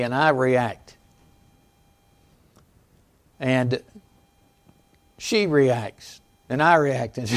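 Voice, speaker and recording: Halting conversational male pastor preaching. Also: mid-range voice. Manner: conversational, halting with restarts and asides to the congregation; chuckles between points. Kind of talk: sermon. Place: church sanctuary.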